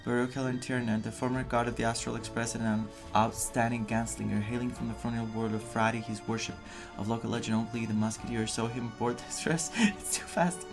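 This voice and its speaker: A man giving casual, animated, rambling reactions as he plays through a game. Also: medium pitch, brisk, vocal fry. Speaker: gaming streamer. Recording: game music under the commentary. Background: game music.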